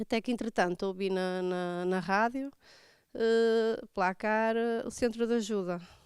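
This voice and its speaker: A woman with a European Portuguese accent, lively intonation and a very slow pace, on a very clean recording with a silent background. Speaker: church member giving testimony. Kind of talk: testimony. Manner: halting.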